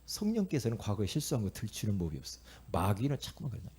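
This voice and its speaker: A middle-aged man from Korea preaching a sermon as pastor, telling stories in an animated way, acting out voices and calling out to the congregation. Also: lowish voice, quick pace, slight background noise. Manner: animated storytelling, acting out inner voices and quotes; repetitive, calls out to the congregation.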